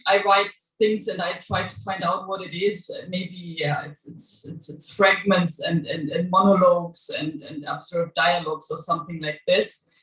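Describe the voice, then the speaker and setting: A woman with a German accent introducing herself at a public reading, halting, restarting often and laughing as she talks. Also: lowish voice, fairly even intonation, a bit bright. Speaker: guest writer giving a reading. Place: small venue before a live audience. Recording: echoey room, voice from far off.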